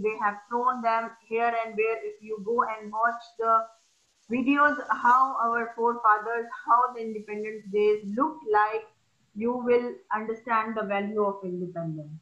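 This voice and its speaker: A woman's voice: fairly high pitch, fairly even intonation, sharp tone. Teacher woman on a lo-fi video call. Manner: patient, explains slowly with fillers. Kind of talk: online class lesson.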